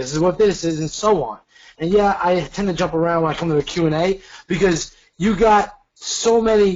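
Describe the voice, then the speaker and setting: In an animated tone, a man speaks with a high pitch and ordinary pitch variation. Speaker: ads trainer. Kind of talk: live webinar training. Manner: fast.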